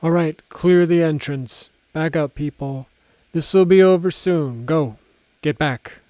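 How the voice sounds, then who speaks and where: A gruff tribal chief barks orders at a crowd, as a male narrator plays him. His voice is loud and a little high. The sound is close and dry. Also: slow pace, dry recording. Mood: bossy. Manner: loud, barking commands.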